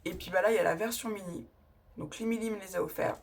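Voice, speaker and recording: A woman's voice: mid-range voice, fast, creaky, noisy background. Chatty woman hosting a crafting haul vlog. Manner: chatty and rambling, with frequent self-corrections and laughs; enthusiastic, showing items to the camera. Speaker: scrapbooking vlogger.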